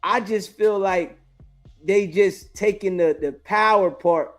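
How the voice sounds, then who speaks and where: A male talk show host with a high voice reasons through his view in a casual call-in discussion. He circles back over phrases in an earnest, halting way, over faint background music. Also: a bit bright.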